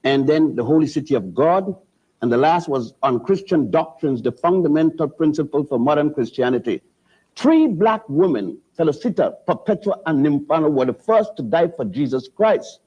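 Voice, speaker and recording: An older man from Puerto Rico, a guest historian who lectures with halting restarts and spells words out letter by letter. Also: on the high side, lively intonation, dark tone, husky. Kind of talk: lecturing TV interview. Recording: dull lo-fi TV audio.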